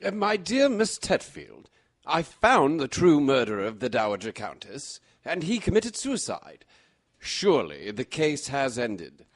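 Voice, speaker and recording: A man playing a composed, courteous gentleman detective with formal assurance in an old-time radio drama. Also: mid-range voice, huge pitch swings, measured pace, dry recording. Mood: dismissive.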